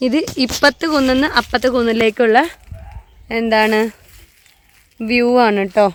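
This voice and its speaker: A woman's voice: on the high side, steady tone, moderate pace, slight background noise. Chatty woman vlogging on a hillside. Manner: chatty, talking to viewers while coaxing her little daughter. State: out of breath from climbing. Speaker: vlogger and mother. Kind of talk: casual vlog narration while walking. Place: outdoors on a hillside plantation.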